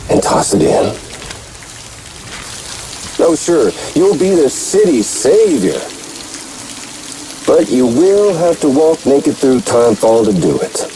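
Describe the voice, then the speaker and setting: A man's voice: fairly high pitch, slight background noise, rough recording. An actor playing a taunting, theatrical masked male villain in a video game cutscene, mocking and sing-song as he relishes his cruelty. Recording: loud score and heavy rain behind.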